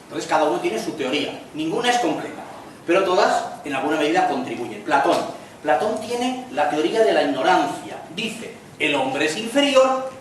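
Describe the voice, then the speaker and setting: A man with a Spanish accent from Spain, giving a lecture in a chatty way and slipping in jokes with quick acted lines. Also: fairly high pitch. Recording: echoey room from far off, faint noise.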